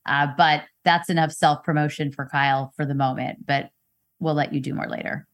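A woman's voice: deep voice, fairly even intonation, normal speed. A woman hosting a sports podcast, chatting casually and playfully with a guest, laughing and teasing often. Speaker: podcast host. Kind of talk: casual chat.

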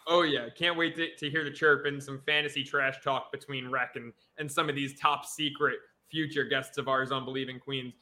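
A man co-hosting a casual sports podcast, excitable and jokey. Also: mid-range voice, moderate pace, hardly any pauses. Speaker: podcast co-host.

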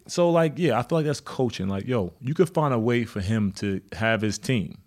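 A man's voice: mid-range voice, expressive, normal speed. A man in his thirties hosting a casual sports podcast, playfully taking the other side. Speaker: podcast host.

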